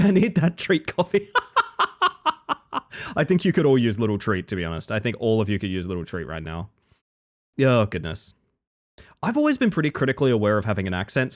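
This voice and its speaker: Man, Australian accent, streamer, casual chat, animated pitch. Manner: chatty, reads chat aloud, swears casually, drawn-out musing. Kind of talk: casual live-stream chat while gaming.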